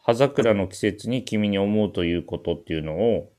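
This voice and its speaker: A man's voice: fairly low pitch, normal speed, warm tone. A man with a Kansai accent hosting a casual chat show, teasing and quipping back. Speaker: radio show host.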